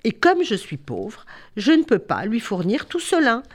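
A woman's voice: on the high side, wildly swooping pitch, unhurried, full character voice. A woman voicing a poor, anxious mother who pleads in a raised voice. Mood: pleading.

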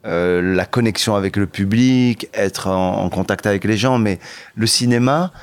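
A middle-aged man, a podcast guest, talks in a low voice that stays lively as he tells stories. He restarts his sentences and breaks into bursts of excitement. The sound is close and dry, with no room echo. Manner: animated storytelling, halting restarts, bursts of excitement. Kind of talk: candid interview talk.

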